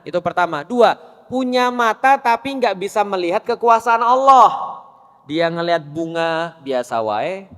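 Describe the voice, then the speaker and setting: A male preacher giving a sermon to a women's gathering, quizzing the audience with rapid questions. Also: high voice, a bit bright, in a large hall. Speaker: Islamic preacher.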